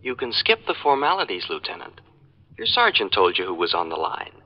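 An actor playing a smug, menacing serial killer taunting over the telephone in an old radio crime drama. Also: male voice, fairly low pitch, huge pitch swings, a little fast. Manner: taunting, theatrical. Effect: voice on a telephone line. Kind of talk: 1940s-50s radio crime drama acting. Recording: dull old radio recording, long reverb.

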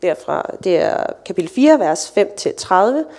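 A woman giving a sermon and reading scripture, speaking in a relaxed, conversational way with light asides. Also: on the low side, gravelly. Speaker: church speaker.

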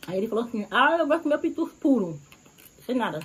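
A woman's voice: fairly high pitch, very animated, fast talker, a little hiss or hum, low-quality recording. A woman in her thirties from Bahia with a Bahian accent, chatting casually while eating outdoors on a rural porch, recorded by a camera on the table. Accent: Bahian Brazilian Portuguese. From Bahia, Brazil. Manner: chatty, savoring food between remarks. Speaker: food vlogger.

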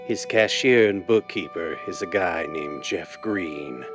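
Deep menacing radio mobster boss, curt n bossy, music behind. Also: male voice, a little slow. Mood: cold, menacing. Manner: curt, commanding. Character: blind, domineering gangster boss, cold and menacing. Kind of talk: old-time radio drama acting.

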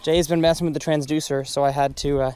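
Excitable young man fishing from a boat. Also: a little high, fast, clean tone. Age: young adult. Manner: upbeat, excitable, chatty. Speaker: fishing vlogger. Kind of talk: casual fishing vlog. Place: outdoors on a fishing boat on a lake. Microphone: chest-mounted camera.

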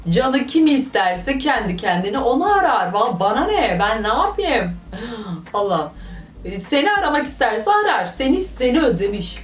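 A young woman vlogger reading viewer stories with animated, joking, exclamatory commentary. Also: on the high side, distant mic. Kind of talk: casual comic commentary. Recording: roomy, voice from off the mic.

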